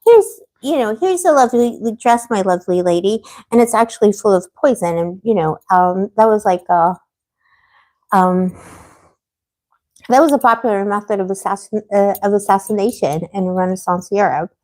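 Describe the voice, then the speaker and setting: A woman's voice: mid-range voice, expressive, normal speed, a little mellow. A woman hosting a tarot livestream, talking in a loose, rambling way with lots of fillers, restarts and small laughs. Her voice sits in an ordinary middle range. It sounds slightly worn, as if it has been giving out lately. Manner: gossipy, laughs often. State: losing her voice. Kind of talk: casual livestream chat. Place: living on a Mediterranean island.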